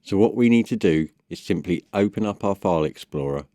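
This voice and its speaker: A man with a low-pitched voice presents a step-by-step software guide. His delivery is measured and instructional. The sound is dry, with very little room in it. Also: lively intonation, dry recording. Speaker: tutorial presenter. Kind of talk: step-by-step software tutorial voice-over.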